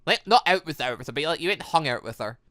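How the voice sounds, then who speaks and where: Bright, animated gaming commentator. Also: mid-range voice, fast, no echo, clean studio sound. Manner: rambling, animated, giggly. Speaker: gaming video host. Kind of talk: excited reaction commentary over a visual novel.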